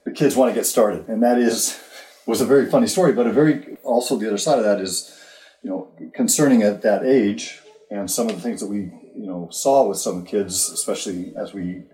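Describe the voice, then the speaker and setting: An older man, a youth fitness coach, casually telling stories on a podcast and acting out his own shouting in the retold scenes. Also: on the low side, fairly quick. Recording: roomy echo.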